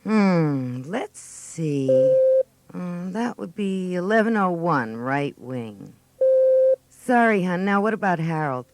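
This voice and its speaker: A dismissive female hospital information clerk, played by an actress in a training filmstrip skit. Her pitch swings widely while the delivery takes its time, brisk in attitude only. The sound is dry, with little room around it. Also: expressive, no echo. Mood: offhand. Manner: offhand, dismissive.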